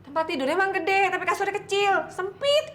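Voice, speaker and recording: An actress playing a stingy, sharp-tongued wife who talks dismissively and mockingly. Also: female voice, extremely high pitch, sing-song, a little fast, a little hiss or hum, exaggerated voice.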